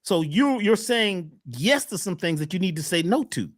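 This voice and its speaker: A man talking as a wellness coach on a talk show, emphatic and repetitive, often jumping high on key words. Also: big pitch swings, moderate pace, dry recording, studio quality. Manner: emphatic, repeats phrases, swoops up on key words. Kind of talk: animated talk-show conversation.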